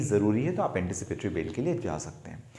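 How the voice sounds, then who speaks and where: A man's voice with audible room echo. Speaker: lawyer. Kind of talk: legal explainer. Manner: hesitant fillers.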